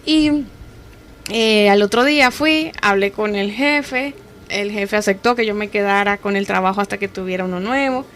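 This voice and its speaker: A woman's voice: medium pitch, moderate pace, fairly bright tone, a little hiss or hum. A woman with a Colombian accent telling her personal testimony as a guest on a radio programme.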